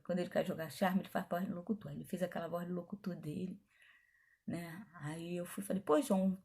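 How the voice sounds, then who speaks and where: A middle-aged woman pastor, telling her testimony in a chatty, animated way, acting out the dialogue as she goes. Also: fairly low pitch, gravelly, husky. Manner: animated, chatty, frequent asides and quoted dialogue. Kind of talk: testimony storytelling.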